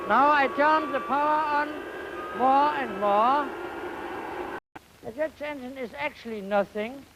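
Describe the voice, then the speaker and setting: A man explains a science demonstration at a slow, careful pace. He phrases things haltingly, like a lecturer thinking aloud. The sound is a noisy old 1950 educational film soundtrack. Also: very high-pitched, dull audio. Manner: halting, deliberate phrasing with rhetorical questions.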